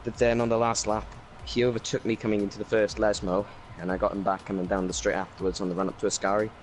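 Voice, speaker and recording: A Welsh man with a fairly low voice, recounting a race in a relaxed online interview. He rambles, leaning on ums and uhs, and quickens as the story builds. Faint music sits underneath. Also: poor audio. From Wales. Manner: rambling, lots of fillers, quickens when excited. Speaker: racing league driver. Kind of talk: casual post-race interview.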